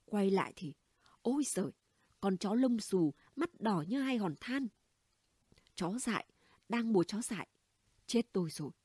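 A brash, gossipy middle-aged neighbor woman, voiced by a female reader spills stories in a chatty, conspiratorial audiobook voice. The tone is warm and mellow with a soft breathy edge. The recording is dry and close. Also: mid-range voice, expressive, a little slow, long pauses, no room sound. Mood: gossiping. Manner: chatty, blunt, conspiratorial storytelling. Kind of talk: audiobook character dialogue.

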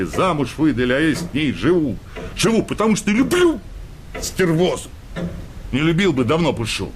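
An actor playing a middle-aged working-class husband, sentimental, jealous and hot-tempered, with coarse, pestering colloquial speech in a radio comedy play. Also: male voice, fairly high pitch. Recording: music behind the voice.

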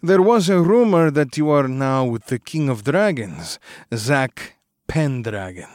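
A man's voice: medium pitch, lively intonation, a little slow, a little mellow, no room sound, studio quality, natural voice. A man voicing a cocky male vampire club owner with a thick accent, smug and teasing. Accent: thick foreign accent.

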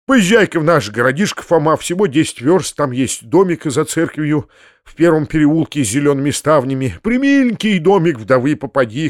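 A man voicing a kindly, flustered middle-aged gentleman who pleads earnestly and warmly. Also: on the high side, no echo, studio quality. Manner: earnest, pleading, warm-hearted.

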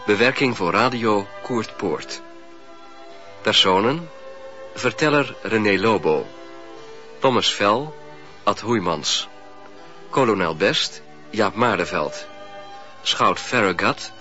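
A man's voice: fairly low pitch, lively intonation, takes it slowly, long pauses, bright, forceful tone, faint music behind. A man formally reading scripted closing credits as a radio drama announcer. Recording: dull radio recording.

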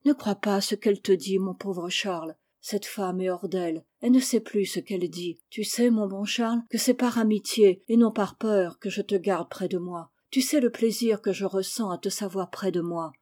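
A gentle blind young woman, as a woman reader does her, soft and soothing. The tone is quiet and mellow, as in a storybook reading. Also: fairly high pitch, fairly even intonation, a little slow, hardly any pauses. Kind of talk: audiobook character reading.

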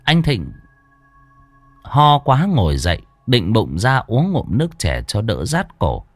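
Low-voiced man narrating a ghost story. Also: takes it slowly, dry recording. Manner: dramatic, lively storytelling. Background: faint background music.

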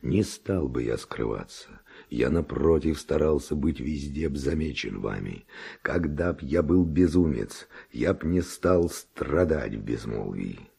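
An actor playing an ardent, reckless nobleman seducer in a classic radio play, declaiming verse theatrically with a gravelly, husky voice. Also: very deep voice, expressive, measured pace, dark tone, heavily acted. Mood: passionate pleading.

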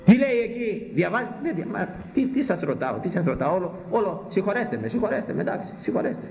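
Animated older man preaching, high voice. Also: a little hiss or hum. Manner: animated, mocking, rhetorical questioning. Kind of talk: sermon on scripture. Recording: echoey room.

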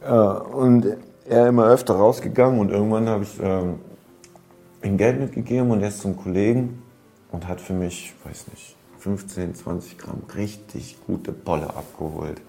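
A man's voice: fairly low pitch, steady tone, normal speed, creaky, warm tone, faint music behind. A man casually recounting old stories in a rambling way, full of street slang and fillers. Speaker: storyteller recounting past. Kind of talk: casual spoken storytelling.

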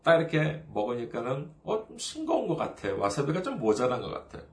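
A man's voice: medium pitch, huge pitch swings, quick pace, reverberant. A man preaching a sermon as a pastor, in a conversational, humorous way, often asking the listeners questions.

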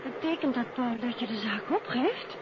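An actress playing a detective's inquisitive, teasing, outspoken wife in a 1950s Dutch radio drama, with a questioning, playful, direct manner. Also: female voice, on the high side, animated, normal speed, close to an everyday voice. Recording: muffled, noisy 1950s radio recording.

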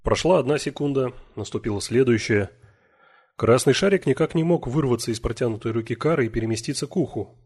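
Brief: male audiobook narrator, husky, mid-pitched, measured. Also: animated, darkish tone. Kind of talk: scripted narration.

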